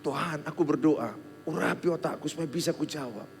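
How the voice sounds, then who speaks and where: Middle-aged preacher with a fairly high voice. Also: male voice, a little fast, creaky, a little hiss or hum. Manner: animated preaching, swinging from loud exhortation to quiet storytelling, humorous. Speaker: pastor. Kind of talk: Christmas sermon. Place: large church hall. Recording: long hall reverb with faint music.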